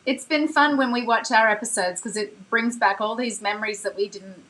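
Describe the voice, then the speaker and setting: A woman's voice: a little high, normal speed, a bit bright, poor audio. A woman chatting casually and reminiscing as a co-host of an interview show. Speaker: co-host, former cast member.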